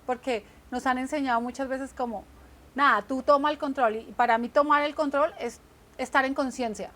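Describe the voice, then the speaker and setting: A woman's voice: sits high, fairly even intonation, normal speed, fairly bright tone. A woman, co-hosting a Christian talk show, speaking earnestly about faith and often asking "right?" to check in. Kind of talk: faith-based casual conversation.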